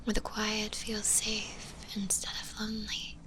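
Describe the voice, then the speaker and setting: A woman voicing a gentle, lonely stitched-together zombie girl in a whispered ASMR roleplay, with a soft breathy voice and tender, hesitant delivery. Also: mid-range voice, completely flat delivery, lightly acted, rough recording. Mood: wistful, tender. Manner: slow, hesitant, tender delivery with long pauses.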